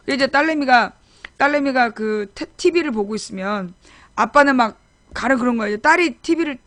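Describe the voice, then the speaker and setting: Give me an animated woman host in her forties telling family stories on a dry close mic. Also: a little high, no room sound. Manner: animated, acts out quotes. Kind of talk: casual storytelling chat.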